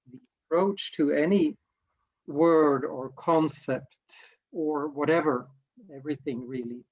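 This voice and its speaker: Man, unhurried delivery, muffled lo-fi sound, halting workshop talk. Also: fairly high pitch, a little mellow. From Norway. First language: Norwegian. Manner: hesitant, searching for words, many restarts. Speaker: workshop facilitator. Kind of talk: slow reflective workshop talk.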